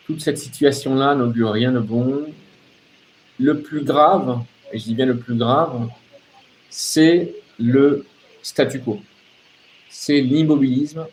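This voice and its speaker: A man's voice: medium pitch, darkish tone, a little hiss or hum, poor audio. A man delivering an off-the-cuff political rant as a live open-line host, sardonic and emphatic, repeating phrases and throwing out rhetorical questions.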